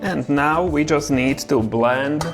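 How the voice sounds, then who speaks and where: A man hosts a relaxed home vlog, chatting easily about cooking and his garden outdoors and laughing often. His voice is a little high and he takes his time. Music plays underneath.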